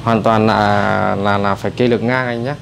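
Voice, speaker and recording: A man with a Northern Vietnamese accent giving a brisk, chatty hands-on haircut tutorial in a barbershop. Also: lowish voice, flat delivery, gravelly, fairly bright tone, slight background noise. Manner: brisk, chatty, addresses viewers as brothers. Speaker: barber instructor. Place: barbershop indoors.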